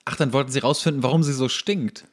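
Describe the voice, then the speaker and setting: A man's voice: mid-range voice, fast. A man co-hosting a podcast, casually commenting on a show with sarcastic, slangy jokes. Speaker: podcast host.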